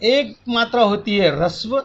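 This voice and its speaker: A man's voice: high-pitched, normal speed. A man teaching a lesson at a board, explaining patiently step by step and counting aloud as he goes. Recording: muffled lo-fi audio.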